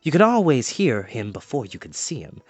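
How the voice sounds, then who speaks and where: Man playing an excitable, swooping theatrical bard. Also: mid-range voice, normal speed, slightly rough, no echo. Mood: awed, confiding. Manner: exclaiming, gushing, sighing. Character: excitable, theatrical male bard, warm-hearted boaster.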